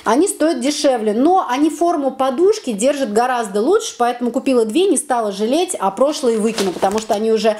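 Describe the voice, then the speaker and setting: A young woman chatting in a casual home vlog, lively and self-mocking, talking with her hands in a small bright room. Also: fairly high pitch, a little fast, few pauses. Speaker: home vlogger.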